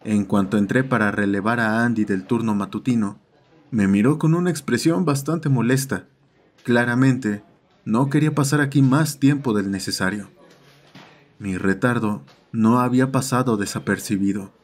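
A man's voice: mid-range voice, moderate pace. A man doing scripted first-person narration for an audio horror story.

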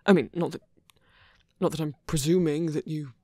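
A man playing a wounded villain in love, teasing and tender, murmuring haltingly in an intimate ASMR roleplay. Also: fairly high pitch, steady tone, darkish tone, no room sound, clean studio sound. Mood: shy, moved. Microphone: close mic, dry.

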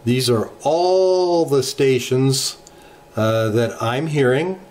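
A middle-aged man hosting a ham radio channel, walking through software settings in an unhurried tutorial with many filler pauses, recorded at a desk in his home radio room. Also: mid-range voice. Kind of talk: screen-share software tutorial. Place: home radio shack, indoors.

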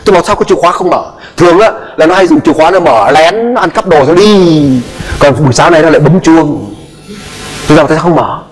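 Male pastor, high-pitched, impassioned sermon, acts out voices, long hall reverb. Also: fast. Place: church.

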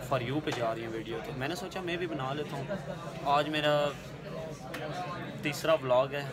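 A young man in his twenties with a Pakistani Urdu accent, chatting and joking to a phone held at arm's length while at work on a call center floor. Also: medium pitch. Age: 20s. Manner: chatty, joking, drawn-out pace. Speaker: vlogger, call center agent. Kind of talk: casual selfie vlog. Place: indoors, busy open-plan call center floor at night. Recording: loud crowd chatter behind. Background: chatter of a crowded office.

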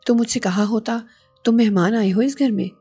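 A woman voicing a young husband, calm and reassuring, with gentle, steady dialogue reading. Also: on the high side, normal speed, husky, soft background music.

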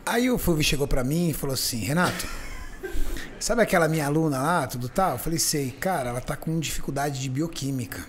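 Lively, high-voiced man telling a story. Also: brisk, a little hiss or hum. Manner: animated, acts out the voices in his stories. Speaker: podcast host. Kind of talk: casual storytelling chat.

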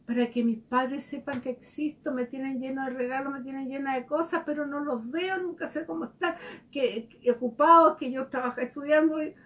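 Soft-spoken woman preaching, distant mic. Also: sits high. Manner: warm, conversational preaching with direct questions to listeners. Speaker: teacher giving a devotional reflection. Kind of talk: spoken devotional reflection. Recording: voice heard from a distance.

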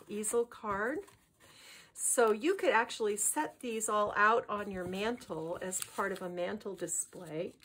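A woman's voice: medium pitch, fairly bright tone. Cheerful middle-aged woman showing crafts. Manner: cheerful, enthusiastic, chatty. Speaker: craft kit presenter. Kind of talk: casual craft show-and-tell.

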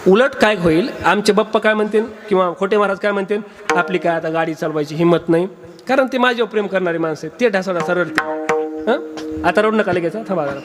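A man's voice: high voice, fast talker, over music. A male kirtan preacher giving a comic sermon, teasing and quizzing his audience at a live gathering.

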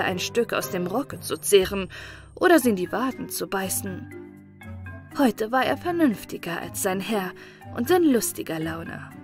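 A woman narrating a fairy tale expressively for children, as in an audiobook. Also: fairly high pitch. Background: faint music.

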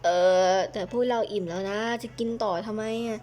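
A woman's voice: mid-range voice, steady tone, brisk, a little mellow, soft background music. A woman chatting playfully through a game role-play, hopping between little characters.

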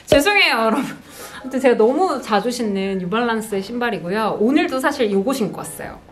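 A woman's voice: fairly high pitch, big pitch swings, fairly quick. A woman in her thirties chatting casually and expressively to camera as a vlogger, showing off personal items with cute exclamations. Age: 30s. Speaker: vlogger, host. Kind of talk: casual product show-and-tell to camera. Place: bright small indoor room with sofa.

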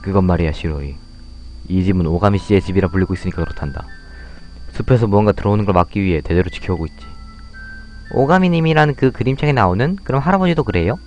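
A man's voice: low voice, animated, fast talker, a little mellow, dull audio, soft background music. Man doing a stern, solemn older guardian.

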